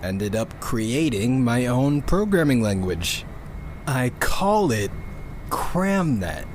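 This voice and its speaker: Animated, sweary programmer, slow-paced. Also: male voice, mid-range voice, a little hiss or hum. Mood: nerdy, rambling. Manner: rambling, self-interrupting, swearing. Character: sweary, geeky rocket programmer keeping an audio log, excitable and exasperated. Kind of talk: audio drama monologue as a casual recorded log.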